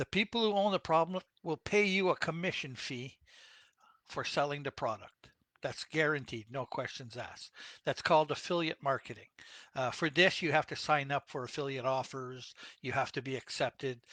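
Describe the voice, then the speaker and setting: In a dry, close recording with no echo and a quiet background, a man with an unremarkable speaking voice talks at a moderate pace, his fairly high pitch showing ordinary variation. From French Canada. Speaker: online business coach. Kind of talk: live stream Q&A. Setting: live stream. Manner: casual with many fillers and repetitions.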